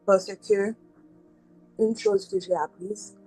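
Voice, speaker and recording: A woman preaches in a loose, conversational way, laughing and acting out little dialogues. Her voice is warm and slightly breathy. Soft music plays faintly underneath. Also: medium pitch, slow, low-quality recording. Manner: conversational, animated with laughs and acted-out quotes. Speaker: preacher leading midday prayer. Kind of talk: informal sermon, mixing Creole, French and English.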